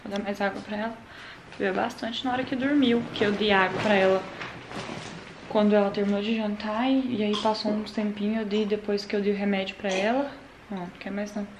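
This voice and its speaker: A woman vlogging casually to her viewers from a bedroom at night, talking in a chatty way that often drops to a hushed murmur. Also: mid-range voice, steady tone, brisk, reverberant, background noise. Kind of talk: casual vlog chat to viewers.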